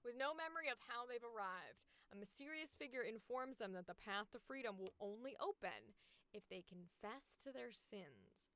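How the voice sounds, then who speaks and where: A woman hosting a livestream, chatting casually and reading aloud in an expressive, excitable, blunt way. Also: fairly high pitch, normal speed. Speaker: livestream host and voice actor.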